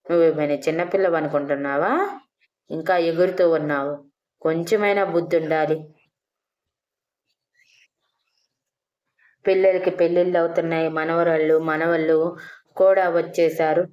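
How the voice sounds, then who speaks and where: A woman's voice: lowish voice, fairly even intonation, moderate pace, darkish tone, muffled recording, close to an everyday voice. A woman voicing a stern, sarcastic older husband and grandfather in an audio story, scolding and teasing his wife.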